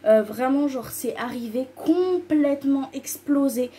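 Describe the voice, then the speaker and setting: A woman talks straight to her viewers in a loose, rambling beauty-vlog manner. Her voice sits a little high but has a soft, mellow tone. She piles up repeated intensifiers with easy, chatty enthusiasm. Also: animated, a little slow. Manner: loose and rambling, many fillers. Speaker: beauty vlogger. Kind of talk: casual chatty haul video.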